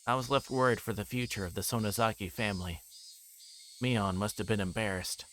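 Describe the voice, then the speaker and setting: A low-pitched man reads a visual novel aloud for a livestream. He moves between reciting text and rambling casual commentary, thinking out loud. There is noise behind him, with chirping insect ambience. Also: fairly even intonation, fairly quick.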